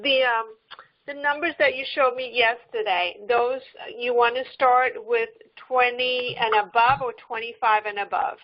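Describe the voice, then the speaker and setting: Female call participant, slightly high pitch, casual learner tone, lo-fi muffled line. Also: steady tone, measured pace. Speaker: trainee participant on a group call. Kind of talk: casual questions and short replies. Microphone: conference call line. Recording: dull, muffled conference call audio.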